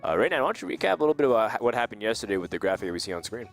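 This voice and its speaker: A man hosting an esports tournament desk, recapping results and putting questions to his co-casters in a lively way. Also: lowish voice, rapid-fire, creaky, faint music behind.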